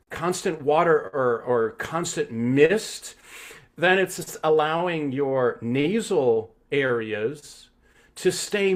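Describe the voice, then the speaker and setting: A man teaching vocal health in a live online masterclass, coaching with frequent "right?" check-ins. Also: fairly high pitch.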